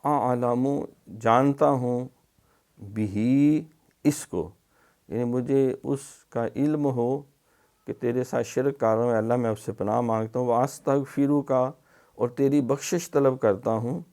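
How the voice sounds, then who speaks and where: A middle-aged man with a Pakistani Urdu accent teaching Quran recitation, drilling letter sounds slowly and then explaining them. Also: mid-range voice. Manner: stretches syllables, louder on drills. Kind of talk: recorded tajweed lesson.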